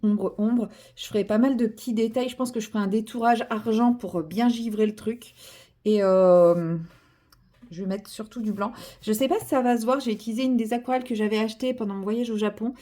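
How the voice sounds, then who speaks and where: Here a young woman colors and chats, a vlogger rambling about her project with frequent fillers, restarts, and self-mockery. Her voice is a little high and warm, quick in pace, with fairly even intonation.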